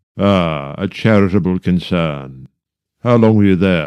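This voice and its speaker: In a put-on character voice, a man talks gruffly at a fairly slow pace, his very deep, low pitch carried by lively intonation. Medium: audio drama. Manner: gruff, abrupt.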